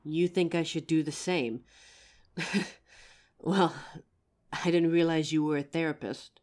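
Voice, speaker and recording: A woman's voice: low-pitched, steady tone, measured pace, darkish tone. A young woman voicing an anxious, protective female werewolf who stammers and sighs as she talks to her partner. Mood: worried. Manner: hesitant, stammering, sighing often. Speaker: voice actor in audio roleplay. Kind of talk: audio roleplay for a listener.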